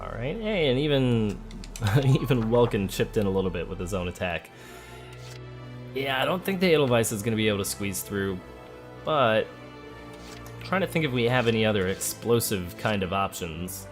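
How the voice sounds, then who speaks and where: Male let's play host, lowish voice, conversational and thinking aloud, light music behind. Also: very animated, moderate pace. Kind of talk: casual game commentary. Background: game music.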